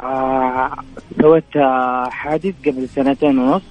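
A man calling in to a radio show, sounding distant and quiet, as if holding the phone away, and telling his story haltingly with many fillers. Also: mid-range voice, steady tone. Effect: distant, quiet phone line, as if the phone is held away. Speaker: caller. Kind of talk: call-in to a charity radio show. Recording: muffled phone call.

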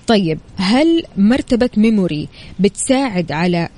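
A man's voice: sits high, lively intonation, moderate pace, a little mellow. A chatty man with a Saudi accent hosting live radio in a familiar style, moving between caller chat, announcements and news. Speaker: radio host. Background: music bed.

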